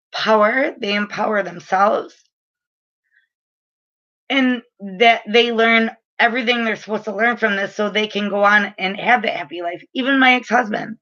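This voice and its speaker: A woman's voice: mid-range voice, sharp tone, muffled recording. A woman in her late thirties, a spiritual reader, giving frank, chatty advice to camera with lots of filler words. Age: late 30s. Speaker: spiritual reader and energy healer.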